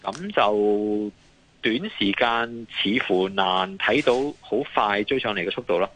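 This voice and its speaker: A man's voice: lowish voice, measured pace, a bit bright, poor audio. A man with a Hong Kong accent giving live market commentary as a guest analyst, hesitating, repeating phrases and mixing in English terms.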